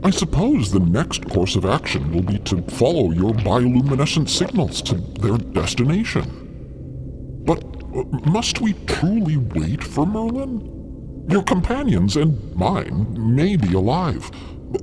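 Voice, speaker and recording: A man's voice: mid-range voice, wildly swooping pitch, unhurried, noisy background. A man playing a courteous, cautious alien in an audio drama, with formal wording and hesitant stammers. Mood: grave, cautioning. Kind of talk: scripted audio drama acting. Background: music.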